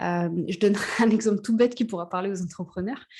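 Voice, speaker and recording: A woman's dark, mellow tone at a medium pitch, with fairly even intonation and a moderate pace, over a quiet background. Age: 30s. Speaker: entrepreneur, podcast guest. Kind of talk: casual interview conversation. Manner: hesitant, many fillers.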